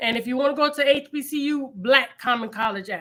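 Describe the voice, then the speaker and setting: Raised and projected, a woman's high voice carries an animated tone at a moderate pace with ordinary pitch variation. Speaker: livestream host. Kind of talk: casual live chat. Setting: livestream. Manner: loud.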